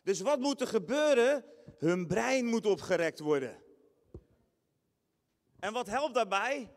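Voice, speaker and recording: A man preaching a lively sermon, acting out scenes with sudden high shrieks and bursts of laughter. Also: takes it slowly. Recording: long hall reverb in a church.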